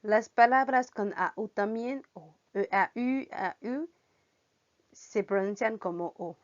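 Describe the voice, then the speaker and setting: Very slow-talking woman teaching French. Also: mid-range voice. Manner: slow, spells out letters and repeats each sound. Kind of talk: language lesson. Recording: dull lo-fi recording.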